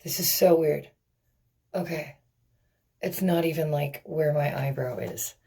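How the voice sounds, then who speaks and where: A woman's voice: sits low, a little slow, vocal fry, mellow, slightly rough. A young woman vlogging casually, rambling and giggling nervously as she talks to the camera, swearing often. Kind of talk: casual beauty vlog.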